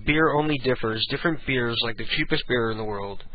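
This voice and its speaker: A male radio host rambling casually and hesitantly in a mid-pitched voice. The sound is narrow and phone-like, as on a lo-fi broadcast. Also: a little fast.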